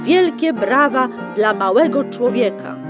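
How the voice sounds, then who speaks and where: A woman narrating a library chronicle in a brisk, upbeat old-newsreel announcer manner. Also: a little high, lively intonation, phone-quality sound. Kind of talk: mock 1960s newsreel narration. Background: plucked guitar music.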